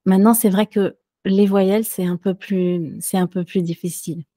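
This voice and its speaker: Mellow-voiced French teacher, hesitant woman. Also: medium pitch, steady tone, moderate pace, no room sound, clean studio sound. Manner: hesitant, many fillers and restarts, light laughs. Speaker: French teacher and podcaster, guest. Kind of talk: casual interview answers.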